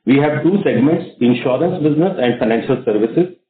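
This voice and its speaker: An Indian man delivers a scripted investor presentation in a formal, methodical manner. His mid-pitched voice comes through a thin phone conference line with clear room echo. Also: expressive, fairly quick, narrow, tinny audio. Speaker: company finance executive. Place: conference call.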